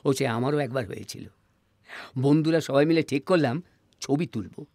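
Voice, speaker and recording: A man's voice: medium pitch, moderate pace, a little mellow, dry recording, natural voice. An actor playing an eager, chatty man who fusses and repeats himself in slangy talk in a film drama. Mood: animated storytelling. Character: eager, chatty, colloquial man fussing over a guest.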